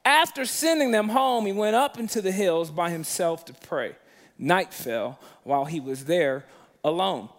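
Man, very high voice, guest preacher, comic and animated storytelling sermon. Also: unhurried. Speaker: guest speaker.

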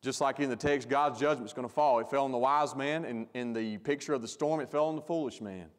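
A male pastor preaching a sermon with emphatic delivery, growing louder when he stresses a point. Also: mid-range voice, fairly quick, big-room sound.

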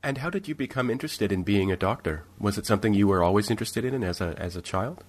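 A man hosting a podcast, introducing his guest and asking curious, halting questions. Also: on the low side, expressive. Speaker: podcast host. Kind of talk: interview hosting.

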